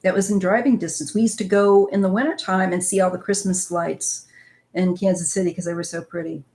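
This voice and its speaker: Her voice is lowish, steady in tone, brisk and a little mellow: a tarot channel host in her fifties from northwest Missouri reading her live chat. She keeps things casual, rambling and chatty, and calls viewers "you guys."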